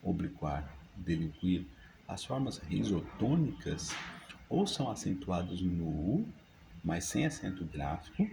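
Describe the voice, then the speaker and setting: Slow, gravelly man teaching. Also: sits low, sing-song, background noise. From Brazil. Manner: slow, deliberate dictation of examples. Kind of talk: reading grammar rules and word lists.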